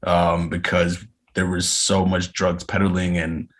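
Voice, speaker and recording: A man in his thirties from Arizona, a podcast guest talking casually about his life with frequent pauses and hesitations. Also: sits low, monotone. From Arizona, USA. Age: 30s. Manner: reflective, unhurried, frequent hesitations. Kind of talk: casual interview chat.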